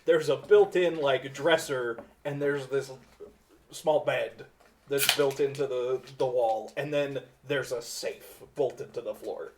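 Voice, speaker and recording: A man running a tabletop game, describing a room in a relaxed, wry way. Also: medium pitch, slow pace, slight background noise. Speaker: game master.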